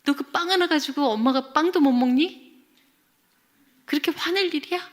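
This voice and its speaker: A woman acting out an exasperated mother who scolds her teenager in a sharp, raised, reproachful voice. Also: high-pitched, normal speed, pitched above the performer's own voice, natural voice. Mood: indignant scolding.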